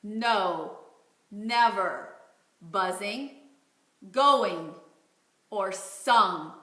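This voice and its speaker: Woman speech coach going slow over practice words, bright voice, roomy echo. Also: mid-range voice. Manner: demonstrates words slowly and clearly. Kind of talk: instructional video lesson.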